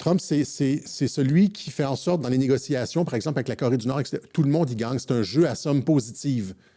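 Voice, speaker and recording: This man has a fairly high pitch and a dark, mellow tone, with ordinary pitch variation. He talks at a very fast pace with hardly any pauses. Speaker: political commentator. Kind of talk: political commentary monologue.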